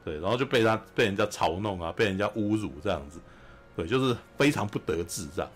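A man with a Taiwanese Mandarin accent, hosting a podcast and telling a film's story in an animated, chatty way, often asking "you know?". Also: on the low side, fast talker. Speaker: podcast host. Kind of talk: casual film recap chat.

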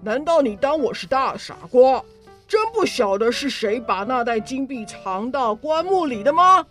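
A woman voicing a hot-tempered male con man who accuses loudly and indignantly. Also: sits high, expressive, unhurried. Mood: furious. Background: background music.

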